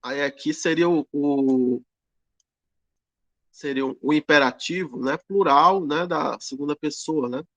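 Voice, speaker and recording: A man teaching an online grammar lesson, explaining slowly with many fillers and tag questions. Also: a little high, fairly bright tone, dry recording. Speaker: Greek teacher.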